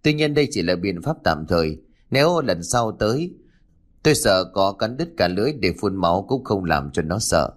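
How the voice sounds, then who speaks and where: A man's voice: deep voice, expressive, moderate pace. A man voicing a weary, defeated old male exorcist in a spoken ghost story, talking in a heavy, resigned way. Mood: grave, resigned.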